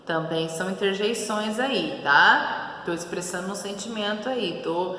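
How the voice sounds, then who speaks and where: A woman's voice: medium pitch, measured pace, pushed and bright, slight background noise. A woman who teaches a recorded grammar lesson, reads passages aloud, acts out the tone of the words and keeps checking in with her students. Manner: reads text aloud and acts out the interjections with changing tone. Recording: echoey room, long reverb.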